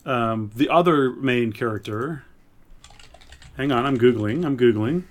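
A man with a mid-range voice speaks as a podcast co-host. He chats informally, qualifying and softening what he thinks as he goes along. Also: mid-range voice, unhurried. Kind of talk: casual chat reviewing superhero TV.

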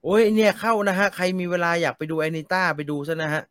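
A man's voice: high voice, a little fast, fairly bright tone, clean tone. A man co-hosting a casual live chat, reading out viewer questions and rambling on between them. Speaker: co-host reading viewer comments.

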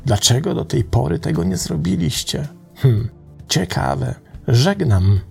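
A man reads a glowing traveler from the stars in a calm, matter-of-fact voice with a gravelly edge. The traveler stays unhurried, as in a spoken parable. Faint music sits under the voice. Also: medium pitch, voice pushed up. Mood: dry. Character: calm, curious male space traveler of light.

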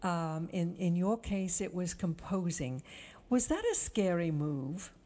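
A woman hosting an interview show, speaking in a measured, articulate presenter's manner. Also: fairly low pitch, warm tone. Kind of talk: scripted introduction and interview.

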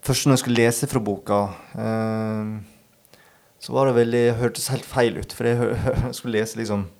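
A man, an author and podcast guest, speaking in a thoughtful, halting way and often searching for his words. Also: medium pitch, steady tone, gravelly, darkish tone. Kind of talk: reflective interview talk.

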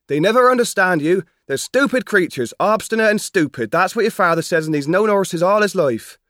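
Man voicing a high, stern farmer's mother, scolding and anxious, dry close sound. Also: lively intonation, brisk, fairly bright tone, no room sound. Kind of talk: audiobook character voice.

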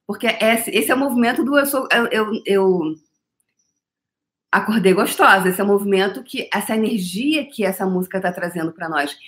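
A woman from Brazil hosts a live stream workshop in an animated, playful voice. She laughs often and drifts into repeated, chant-like phrases between loose, chatty stretches. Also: medium pitch, normal speed. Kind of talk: casual spiritual coaching live stream.

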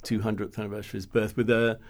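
A man's voice: lowish voice, level tone, racing. A man with an English accent interviewing an author in a conversational, somewhat hesitant way. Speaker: book editor interviewing an author.

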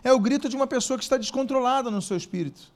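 Male preacher, high-pitched, animated, quizzes the congregation, punches words with loud bursts. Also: very fast. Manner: asks the congregation questions. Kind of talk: sermon.

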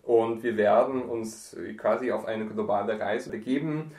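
A man hosts a podcast in a friendly way, asking questions and summing up what his guest says. His voice sounds echoey and a bit far from the mic, as if he were in a bare room. His pitch is in the middle range. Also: a little slow, a little mellow. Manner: friendly, guiding questions, summarizing. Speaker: podcast host. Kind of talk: casual podcast interview.

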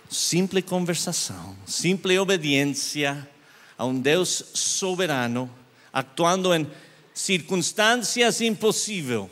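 A man with an English-speaking accent preaching a sermon with storytelling, slow and emphatic, rising sharply when excited. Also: medium pitch. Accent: English-speaking, with Spanish mixed into his Portuguese. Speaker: guest preacher. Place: church hall. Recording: long church-hall reverb.

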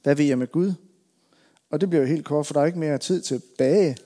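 A man, a pastor preaching a sermon, building emphatic repeated lines and then telling a story in a relaxed way. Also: on the high side.

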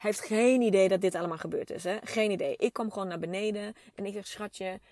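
A woman's voice: mid-range voice, quick pace, darkish tone, dry recording. A woman in her thirties telling a personal story to her listeners in an open, chatty, emotional way with plenty of fillers. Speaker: vlogger speaking to a female audience.

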